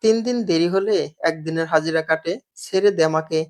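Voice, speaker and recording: A quick-tempered young working woman who answers in sharp bursts and keeps her guard up, voiced by a man reading a storybook aloud in a slightly high voice. She sounds wary rather than soft. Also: close to an everyday voice.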